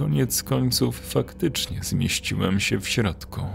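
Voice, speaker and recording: Music plays in the background as a man speaks. His pitch is very deep and low, and his pace is very slow. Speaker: narrator reading a horror story. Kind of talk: ghost story telling, first-person creepypasta narration; scripted narration of a translated story. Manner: hushed, tense, slow-building; eerie and tender.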